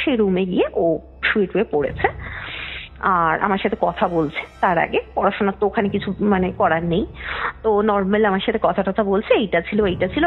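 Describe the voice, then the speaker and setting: A young woman with a medium-pitched, slightly rough voice tells a story over a call, chatty and rambling, often trailing off mid-sentence. The phone line sounds tinny, with faint music behind her.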